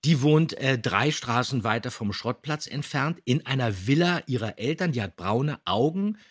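Husky man chatting emphatically. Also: mid-range voice, animated, moderate pace. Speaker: podcast guest and voice actor. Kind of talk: casual podcast chat.

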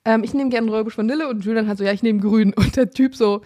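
A woman with a slightly high voice tells a story in a relaxed podcast chat. She brings each exchange to life by pitching her voice up for the quoted lines and laughs often as she goes. She is recording from a hotel room. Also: quick pace. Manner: lively, acts out dialogue in raised voices, laughs often. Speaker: podcast co-host.

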